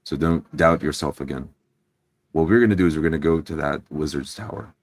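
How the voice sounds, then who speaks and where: Man doing a very deep, earnest party leader. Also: fairly quick, no echo, clean studio sound. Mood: encouraging. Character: earnest, courteous, reassuring adventuring party leader. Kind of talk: in-character tabletop roleplay.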